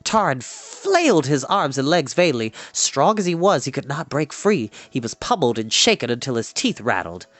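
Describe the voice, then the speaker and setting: A man reading a fantasy novel aloud as an expressive storyteller. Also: mid-range voice, moderate pace, few pauses, no echo. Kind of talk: expressive audiobook-style narration. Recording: music playing behind the voice. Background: background music.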